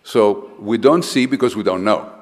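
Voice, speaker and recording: An older man from Greece lectures from a lectern in a large hall, his voice trailing into a long reverb. He speaks in a lowish register and talks emphatically, stumbling over restarts and repeated words. The sound comes from a live conference recording. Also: moderate pace. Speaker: architect giving a conference lecture.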